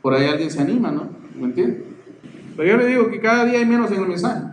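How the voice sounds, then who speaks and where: A man's voice: sits high, animated, fast, a little hiss or hum. A man with a Peruvian accent preaching a sermon, stressing his points and often asking whether the listeners see. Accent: Peruvian Spanish. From Peru. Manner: emphatic preaching, repeating words and asking ¿ve?. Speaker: pastor. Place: church hall. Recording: echoey church hall, faint ambience.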